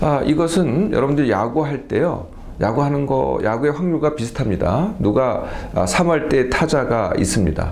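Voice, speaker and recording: Through noticeable background noise and audible room echo, a man speaks at a moderate pace in a fairly high pitch, with lively intonation and very even loudness. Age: 60s. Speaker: doctor giving health lectures. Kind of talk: lecture. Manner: hesitant fillers, frequent 'ah' and 'ne'.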